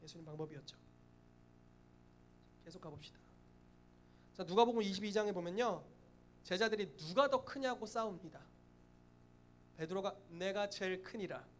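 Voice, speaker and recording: A man with a fairly high voice delivers a sermon from the pulpit, lively and expressive, slipping into acted voices and breaking into laughter. A faint hiss sits under the church recording. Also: normal speed, long pauses. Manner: lively, acts out quoted voices, laughs often. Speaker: pastor.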